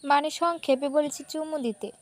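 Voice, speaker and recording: A woman voicing a cheeky, teasing young male college student in a read-aloud story, her voice high. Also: normal speed, natural voice.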